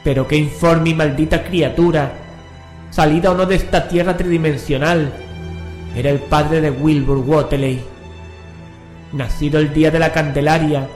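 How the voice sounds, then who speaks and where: A man's voice: on the high side, a little mellow. A man narrating a scripted horror story in a solemn, dramatic manner. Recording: echoing, music underneath.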